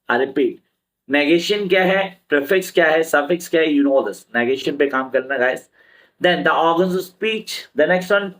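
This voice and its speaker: A man with an Indian English accent giving an exam-prep lesson as a tutor, repeating key terms slowly in English and explaining them quickly in Hindi. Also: on the high side, low-quality recording.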